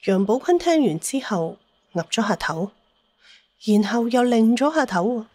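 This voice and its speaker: A woman's voice: fairly high pitch, expressive, unhurried, a little mellow, no echo. A woman narrating a scripted story in the manner of an audiobook storyteller.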